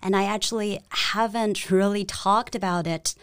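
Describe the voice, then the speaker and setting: A young woman from China, a guest, speaks softly and reflectively in a casual interview. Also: medium pitch, steady tone, clean tone. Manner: slow, reflective, soft-spoken. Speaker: guest, protest host.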